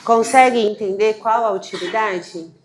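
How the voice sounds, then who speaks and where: A woman hosting a live event, talking to the audience in an energetic, quick and restless way. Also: medium pitch. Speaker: event host. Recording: echoey room, faint noise.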